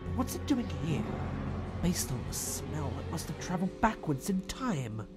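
A man's voice: on the high side, very animated, moderate pace. A man playing an eccentric time-traveller hero in an audio drama, wry and musing. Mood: wry, thoughtful. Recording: music behind.

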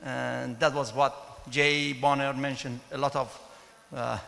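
A middle-aged man from Iran with a Persian accent, giving an informal conference talk in a halting, hesitant way. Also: medium pitch, level tone, creaky, bright, forceful tone. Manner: hesitant, halting delivery with frequent pauses. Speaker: mathematics professor and conference speaker. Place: large conference hall, indoors at a podium. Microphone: handheld microphone. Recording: echoey hall with long reverb.

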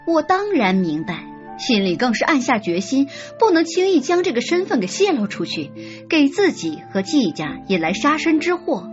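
High, lively woman narrating a romance. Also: normal speed. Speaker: audiobook narrator. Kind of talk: first-person romance novel narration. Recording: slightly dull audio with soft music.

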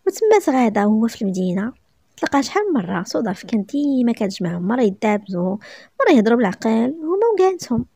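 Brisk Moroccan woman storyteller. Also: on the high side, sing-song, gravelly, mellow, slightly rough, no room sound, clean studio sound. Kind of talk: reading a romance story aloud.

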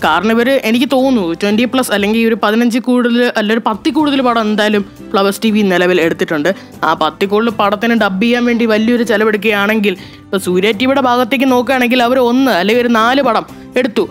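A woman's voice: a little high, fast, faint music behind. A woman from Kerala hosting a casual review vlog about film dubbing, chatting with frequent hesitation fillers and restarts.

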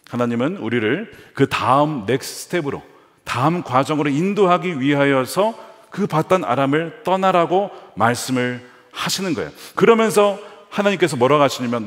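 A male pastor preaching a sermon with animated delivery, acting out the voices he quotes. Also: medium pitch. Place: large church sanctuary. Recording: reverberant church hall.

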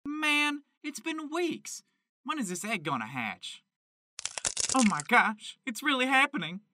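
A man playing an excitable young chicken farmer who talks in a folksy, exclamatory way in an amateur audio drama. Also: very high-pitched, unhurried, background noise, exaggerated voice. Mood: amazed. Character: excitable young male Kentucky chicken farmer, devoted to animals.

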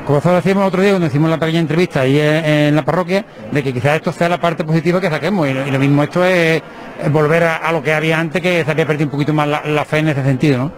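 A middle-aged man, a local TV reporter asking questions quickly and restarting often, holding a handheld mic inside a chapel. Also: a little high, steady tone. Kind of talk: interview questions. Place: inside a small chapel by the altar.

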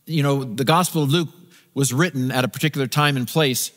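Middle-aged preacher in a reverberant sanctuary. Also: male voice, medium pitch, fairly quick, fairly bright tone. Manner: conversational, walks the stage, gesturing with a Bible in hand; frequent restarts and repeated words. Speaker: pastor. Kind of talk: sermon. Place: large church stage with a live congregation. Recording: long reverb of a large sanctuary.

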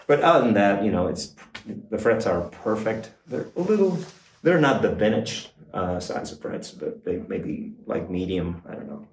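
An older man, a guitar expert guest, explaining in a casual, halting way with many fillers and restarts, in a small backstage room. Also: on the low side, sing-song, far from the mic. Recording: roomy, off-mic, faint noise.

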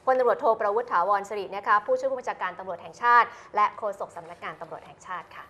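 Female anchor, bright fast delivery, brisk. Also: mid-range voice, animated. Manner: brisk, prompting. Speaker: news anchor. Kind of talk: news talk.

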